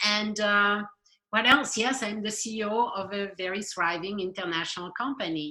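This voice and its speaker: With a French accent, a woman talks at a moderate pace, her medium-pitched voice bright and sharp in tone, with ordinary pitch variation. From France. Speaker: psychotherapist. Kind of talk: podcast interview.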